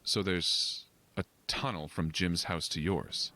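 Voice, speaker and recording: A man plays a dry-witted cop in an audio drama, with a deadpan, wry delivery. His voice is fairly low but bright and clear-edged. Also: takes it slowly, no echo, exaggerated voice. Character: dry-witted male police officer.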